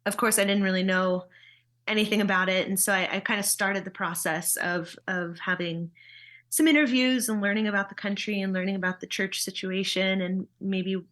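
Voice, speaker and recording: A woman's voice: mid-range voice, steady tone, moderate pace, fairly bright tone. Matter-of-fact woman in her thirties. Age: 30s. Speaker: missionary guest. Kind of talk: conversational interview.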